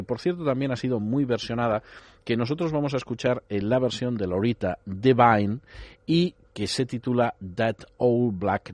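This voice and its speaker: A man presenting songs on a radio music show, in a measured, explanatory way. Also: medium pitch, a little mellow, no echo. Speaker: radio host.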